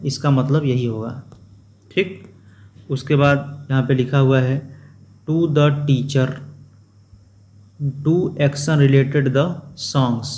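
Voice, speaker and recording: Slow, mellow-voiced male teacher. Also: mid-range voice, a little hiss or hum. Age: young adult. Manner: slow, repetitive word-by-word explanation. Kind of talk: explaining a schoolbook lesson.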